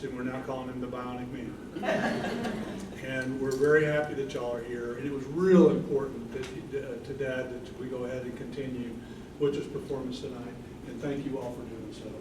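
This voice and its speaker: A middle-aged man giving an informal thank-you speech to an audience as a family spokesperson. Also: medium pitch. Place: indoor room with an audience. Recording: echoey room, distant, clearly noisy.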